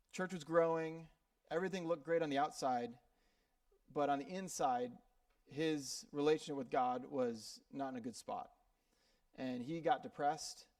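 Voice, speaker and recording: A man from Minnesota preaches to his church in a relaxed, conversational style, often stumbling over and repeating words. His voice sits a little high for a man. The sound is dry and a bit distant, as if the mic is some way off. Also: no echo. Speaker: pastor. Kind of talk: sermon. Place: church sanctuary.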